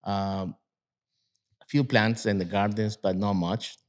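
A man in his fifties from Guatemala, Spanish-speaking by birth, talking haltingly in broken English about his plant nursery in a casual interview. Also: fairly low pitch, steady tone. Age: 50s. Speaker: guest, nursery owner.

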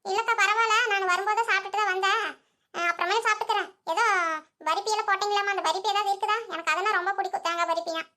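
A woman's voice: very high-pitched, steady tone, racing, bright, forceful tone. A woman voicing chatty village women in a cartoon, fussing, gossiping and scolding. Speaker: cartoon character.

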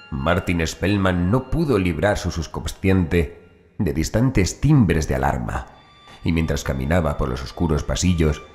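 A man with an extremely low voice narrates a horror story. It is a scripted audiobook reading with music playing behind him. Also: a little mellow.

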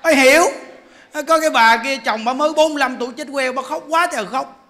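High bright-voiced Southern Vietnamese monk. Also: male voice, quick pace. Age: 40s. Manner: chatty, laughs often, asks listeners rhetorical questions. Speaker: monk giving a Dharma talk. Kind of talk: humorous Buddhist sermon.

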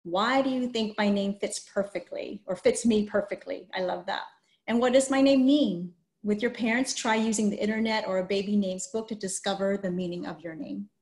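A woman's voice: mid-range voice, moderate pace, darkish tone. Middle-aged woman hosting, roomy echo. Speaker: host interviewing an author. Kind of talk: read-aloud and casual interview. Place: small indoor room, video call. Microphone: computer mic on a video call. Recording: roomy, echoey video call.

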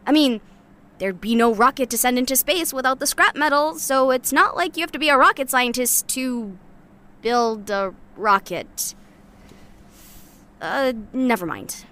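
A woman's voice: high-pitched, a little slow, pushed and bright. A woman playing a guarded, cynical young scrap scavenger in a sci-fi audio drama, talking bluntly and casually with sardonic bite. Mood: reflective, wry. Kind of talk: audio drama monologue, naturalistic.

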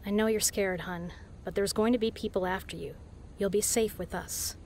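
A woman acting as a tough female spy with a mid-pitched voice. She is brisk and commanding with a caring side, played in the intimate manner of an audio drama. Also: fairly even intonation, a little mellow, close to an everyday voice. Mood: firm, reassuring.

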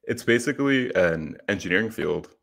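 A young man from Puerto Rico giving a prepared conference presentation, earnest and steady, speaking into a headset in a small room. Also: fairly low pitch, normal speed, creaky. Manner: earnest, steady explanatory delivery.

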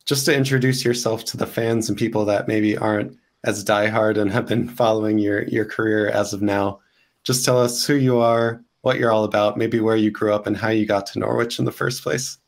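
A man's voice: lowish voice, fairly even intonation, normal speed, creaky. Upbeat man hosting a video call interview. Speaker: host. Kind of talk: upbeat interview host, reads sponsor ad. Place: home office, indoors.

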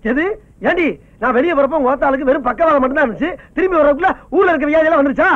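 A greedy comic farmer, very high voice, quick rants, muffled film audio. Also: male voice. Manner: loud comic wailing and ranting. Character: grumbling greedy comic farmer, man, middle-aged. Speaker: comic villager husband. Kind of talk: film comedy dialogue. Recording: dull lo-fi film soundtrack.

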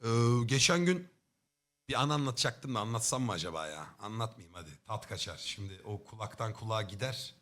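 A man's voice: on the low side, expressive, a little fast, sharp tone. A man livestreaming from home, telling a story in a casual, blunt way, with swearing and comic exaggeration. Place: home streaming setup.

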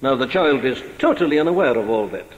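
A man's voice: medium pitch, animated. Older man preaching in a hall. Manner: earnest, deliberate preaching with slowed emphasis. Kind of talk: sermon. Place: church. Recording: dull archival sermon recording in a large hall.

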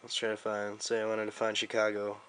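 Low, bright-voiced young American man. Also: completely flat delivery, brisk, clean tone. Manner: slangy, joking. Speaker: app reviewer. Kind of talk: casual app demo vlog.

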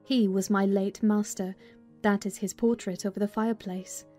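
A woman playing a plain-spoken housekeeper, recounting family history in a measured dramatized literary reading. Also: medium pitch, steady tone, warm tone, lightly acted. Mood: measured, reflective. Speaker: audiobook narrator. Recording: music bed behind voice.

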